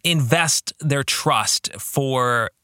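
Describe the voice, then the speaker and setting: A man hosting a reflective Christian podcast monologue, speaking earnestly with deliberate, emphatic phrasing. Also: mid-range voice, bright, forceful tone, clean tone, no echo, studio quality. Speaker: podcast host and novelist.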